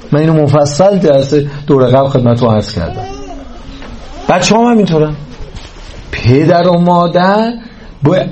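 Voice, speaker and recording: Male preacher, somewhat high voice, mellow tone, earnest lecturing to a hall audience, faint background noise. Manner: earnest, checks in with listeners through rhetorical questions. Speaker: religious lecturer. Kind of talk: religious lecture on parenting.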